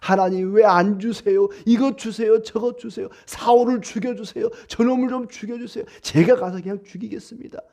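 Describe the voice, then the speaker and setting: A man voicing an immature believer who whines and demands things from God, in a high, strained, pleading voice. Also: fairly even intonation, a little fast, vocal fry, few pauses, darkish tone. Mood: whining pleading.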